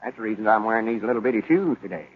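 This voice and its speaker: A man's voice: fairly low pitch, lively intonation, very fast, close to an everyday voice. An actor playing a stubborn, sheepish old country man, drawling in a rural Southern US accent in a 1930s radio comedy. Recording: tinny, hissy 1930s radio recording.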